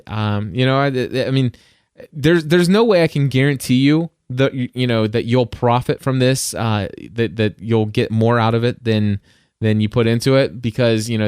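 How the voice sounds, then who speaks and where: A loud man hosts his own podcast, talking through advice in an easy, rambling way full of fillers and restarts. His voice is smooth and resonant, recorded close on a studio mic. The sound is dry, with no room around it. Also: mid-range voice, dry recording. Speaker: podcast host. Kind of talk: casual how-to talk. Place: home studio. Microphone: dynamic studio mic up close.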